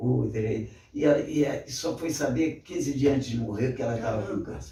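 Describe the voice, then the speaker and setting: A man talks at a moderate pace with audible room echo. His medium-pitched voice shows ordinary pitch variation. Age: 90s. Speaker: veteran samba musician. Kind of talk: interview. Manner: halting.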